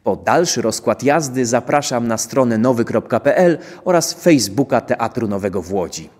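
A young man presents from a prepared script. His voice is husky and medium in pitch, and it rings with a long hall-like reverb. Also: expressive, moderate pace, a little mellow. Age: young adult. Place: indoors in a theatre, before a press wall.

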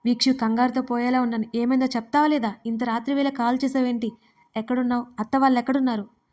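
A woman voicing an anxious, bossy young man who scolds loudly on a late-night phone call. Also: a little high, little pitch movement, fast, far from the mic, natural voice. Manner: loud and scolding.

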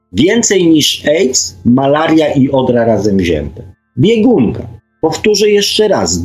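Slow-talking man hosting radio. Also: on the high side, low-quality recording. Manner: hesitant, pausing, repeats figures for emphasis. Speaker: radio show host. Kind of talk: radio monologue reading out statistics to listeners.

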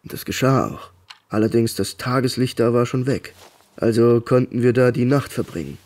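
An actor playing a troubled ex-legionnaire in a radio play, telling his story in short, halting fragments. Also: medium pitch, a little mellow, natural voice. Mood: grave recounting. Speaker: actor in an audio drama. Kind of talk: naturalistic German radio play acting.

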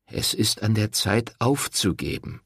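A man's voice: on the low side, animated, a little slow, vocal fry, fairly bright tone, husky, dry recording, studio quality, exaggerated voice. Stammering village priest, read by a man. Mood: soothing. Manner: hesitant, stammering, soothing. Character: uneasy older village priest, evasive. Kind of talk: audiobook character voice.

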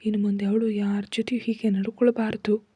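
A woman reading aloud voices a domineering mother-in-law, stern and scolding, all in a husky whisper. The sound is low and dark, flat in pitch, close and dry. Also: fairly quick, no echo, lightly acted. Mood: angry. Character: harsh domineering mother-in-law, middle-aged.

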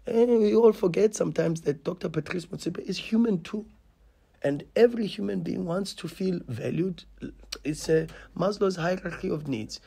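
South african football coach at a press conference, husky gravelly voice, kinda high, keeps repeating himself for emphasis. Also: male voice, moderate pace, warm tone. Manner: passionate, emphatic, full of repetitions and restarts. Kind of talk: post-match press conference. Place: small press room with sponsor backdrop. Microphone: table mic on stand.

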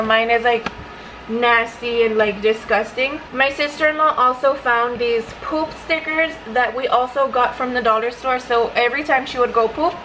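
A woman's voice: on the high side, fairly bright tone, a little hiss or hum, low-quality recording. A young woman chatting casually to camera in her living room, a mom vlogger full of "like" and quoted bits of her toddler. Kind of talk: casual vlog talk to camera. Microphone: camera in front.

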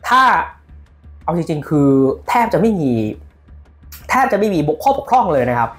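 Animated man talking football news. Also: fairly high pitch, moderate pace, faint music behind. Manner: animated, shouts out players' calls while explaining. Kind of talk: casual football news commentary.

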